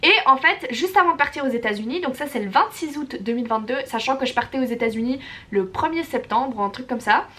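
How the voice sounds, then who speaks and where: A woman's raised, projected voice, high in pitch and fairly quick, with a slight Vaud accent. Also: lively intonation. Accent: slight Vaud Swiss French. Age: 20s. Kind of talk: casual talk to camera. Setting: home, no external microphone.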